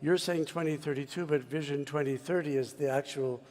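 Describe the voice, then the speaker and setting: A man's voice: fairly high pitch, fairly even intonation, brisk, a little mellow. A man from the United States speaking on a panel, expansive and emphatic, as if giving a speech. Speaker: mining executive panelist. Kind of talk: panel discussion. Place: large conference hall. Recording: long reverb of a conference hall.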